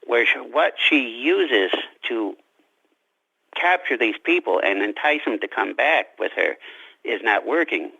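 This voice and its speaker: A man speaking as a guest author in an interview, reflective and halting, often restarting his sentences. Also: mid-range voice, animated, gravelly, pushed and bright, breathy edge. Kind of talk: interview conversation. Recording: dull lo-fi radio-like sound.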